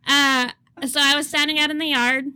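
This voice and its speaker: On a laid-back podcast, a female co-host recounts stories, frequently laughing and performing other people's lines. Her high voice sounds pushed and bright, holding a steady tone at normal speed.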